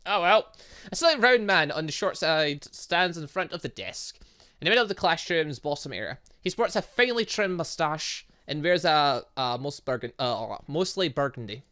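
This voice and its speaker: A man's voice: on the high side, lively intonation, moderate pace, sharp tone, clean tone. A man hosting a casual let's-play, rambling with joking asides and stumbling a little as he reads game text aloud. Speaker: gaming channel host.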